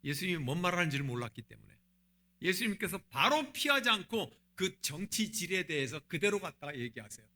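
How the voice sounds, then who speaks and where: A man's voice: sits high, big pitch swings, a little fast, sharp tone. A man, the senior pastor, preaching a sermon and asking the congregation rhetorical questions.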